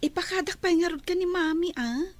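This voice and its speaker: A woman's voice: extremely high pitch, fairly quick. A young woman with an Ilocano accent, playing an anxious, earnest girl who cooks for her friends, in a radio drama.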